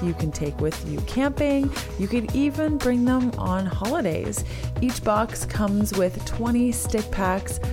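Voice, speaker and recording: Hoarse, upbeat woman podcast host. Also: medium pitch. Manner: upbeat and enthusiastic. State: hoarse, lost her voice. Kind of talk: solo podcast chat with sponsor reads.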